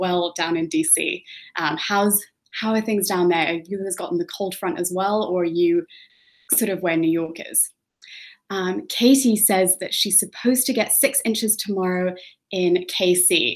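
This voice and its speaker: A woman with an American accent speaks at a medium pitch. Her pace is moderate, and her pitch variation is ordinary. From UK. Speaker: online business coach. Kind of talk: live webinar chat. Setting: live video broadcast. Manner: animated.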